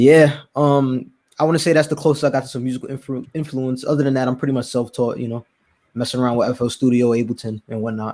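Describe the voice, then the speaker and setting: A man talks at a very fast pace with a New York accent and a medium pitch. His tone is dark and mellow, his intonation fairly even. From Brooklyn, New York. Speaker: music producer. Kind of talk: casual interview.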